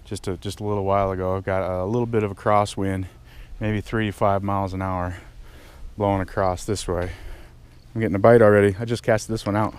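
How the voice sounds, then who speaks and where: A man's voice: fairly low pitch, fairly quick, clean tone. A middle-aged man from the United States, a fishing vlogger talking casually on a rocky lake shore while he fishes. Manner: relaxed, explanatory, excited when hooking fish. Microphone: camera mic, often head-mounted. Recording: outdoor wind noise.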